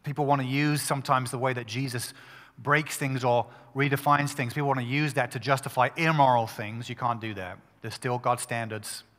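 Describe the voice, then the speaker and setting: A male pastor preaching a sermon at a pulpit microphone, talking in an emphatic, conversational way with quick restarts. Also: mid-range voice, fairly even intonation, a bit bright, big-room sound.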